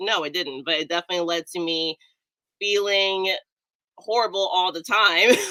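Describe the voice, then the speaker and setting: A fairly low-pitched woman's voice with an American accent and a bright, sharp tone, dry and close with no echo. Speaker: powerlifter and coach. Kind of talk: interview conversation. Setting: podcast. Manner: fast.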